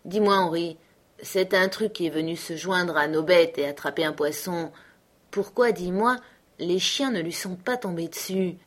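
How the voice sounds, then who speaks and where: A woman's voice: lowish voice, moderate pace, close to an everyday voice. A woman reading the part of a worried adult male trapper in a storybook, with insistent, anxious questions.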